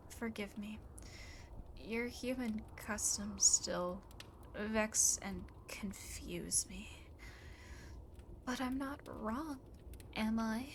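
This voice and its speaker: A woman voicing a lonely, possessive female demon in an ASMR roleplay, softly, often whispering, with teasing, smug condescension, on an amateur home mic. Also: a little high. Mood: possessive menace. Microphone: close home microphone, not binaural. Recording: noisy amateur home microphone recording.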